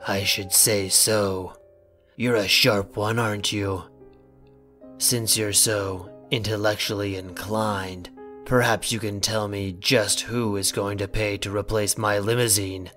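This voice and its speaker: A man's voice: lowish voice, little pitch movement, slow, fairly bright tone, faint music behind. A man playing a cold, unflappable rich elder brother in an audio drama, speaking with dry sarcasm. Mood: icy sarcasm.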